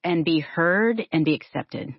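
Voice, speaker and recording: A woman's voice: fairly low pitch, a little slow, husky, no room sound, muffled recording. A woman co-host of a faith-based radio show, speaking encouragingly and emphatically to listeners.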